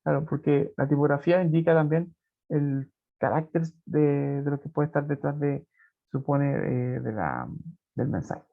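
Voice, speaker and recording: A male teacher gives an online lecture in a somewhat high, gravelly voice. He explains patiently and keeps checking that his students follow. The sound is dull and lo-fi, as from a video call. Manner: explanatory, constantly checks in with "¿cierto?". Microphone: computer mic on a video call.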